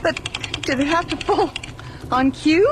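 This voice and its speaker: An actress playing a chatty, uneasy young city woman, a student who talks haltingly, in old-time radio drama style. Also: high voice, noisy background. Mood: spooked. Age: young adult. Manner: talkative, hesitant, halting.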